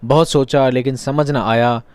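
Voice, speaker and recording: A male Urdu teacher explaining a short story in a lively, conversational way, acting out the characters' dialogue. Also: medium pitch, moderate pace, clear, resonant tone, no echo.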